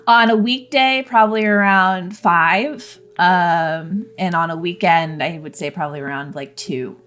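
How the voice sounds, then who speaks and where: A young woman playing a tabletop role-play game, soft and hesitant, with ums and trailing sentences. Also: fairly low pitch, a little slow, faint music behind. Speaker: player.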